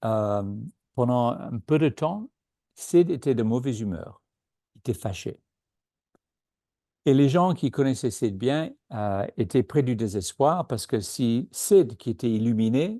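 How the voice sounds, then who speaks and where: A man speaks very slowly at a medium pitch, with long, frequent pauses. His intonation is lively and his tone dark and mellow. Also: quiet background. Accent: non-native. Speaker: speaker on the three principles. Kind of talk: webinar talk. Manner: halting, many hesitations.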